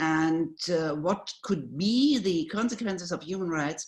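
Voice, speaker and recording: A very slow pace and a non-native accent. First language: not English. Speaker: press freedom advocate. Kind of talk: webinar panel talk. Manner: halting, many fillers.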